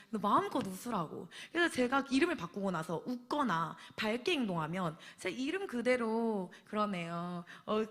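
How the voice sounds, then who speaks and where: A young woman shares a personal testimony at an evening church service, speaking at an ordinary, middle pitch for a woman. She tells her story in a lively way, acting out the voices she quotes and laughing often as she goes. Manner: animated storyteller who acts out quoted voices. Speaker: church staff member giving testimony.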